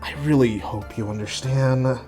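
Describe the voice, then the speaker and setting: A man's voice: mid-range voice, steady tone, normal speed, dark tone, faint music behind, close to an everyday voice. A man voicing a weary, concerned male math teacher in a story, earnest and admonishing.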